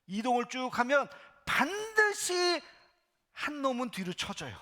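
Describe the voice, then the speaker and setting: A man preaching a Sunday sermon in a church, telling Bible stories with animated acted-out voices. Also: very high-pitched, measured pace. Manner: animated storytelling, acts out biblical voices; drops to a soft hush for emphasis. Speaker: pastor. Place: church sanctuary.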